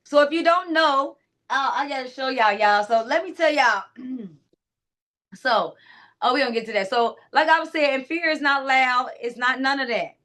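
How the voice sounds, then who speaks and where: A woman with a loud, naturally high-pitched voice delivers a clarity-coaching motivational talk at a normal speed. She addresses listeners directly in a casual, emphatic style with many asides.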